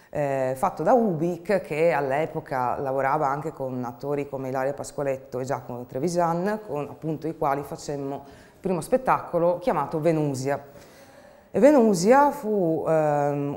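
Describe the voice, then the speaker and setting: A woman, speaking reflectively and pausing to find words as she explains her artistic work in an interview. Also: deep voice, a little mellow. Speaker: actress and theatre group co-founder. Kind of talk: interview monologue about own artistic work. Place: dark indoor studio, seated.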